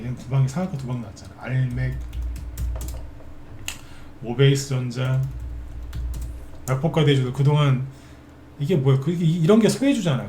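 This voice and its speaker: A man runs through the day's market movers in a live stock broadcast. His voice is mellow and dark, chatty, peppered with quick tag questions he answers himself. It sounds like an echoey room with a little background noise. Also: mid-range voice.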